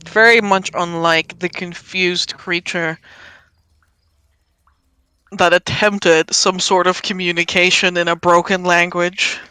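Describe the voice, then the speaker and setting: A woman narrating a tabletop game as game master, descriptive and drawn-out with casual asides. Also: lowish voice, sharp tone, clear, resonant tone, no echo.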